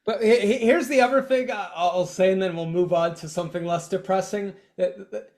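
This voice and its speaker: A man in his forties with a fairly high voice talks in a casual podcast chat. He restarts and repeats words often and jokes at his own expense. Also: steady tone, darkish tone. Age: 40s. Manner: halting, repeats words, self-deprecating humor. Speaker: comedian guest.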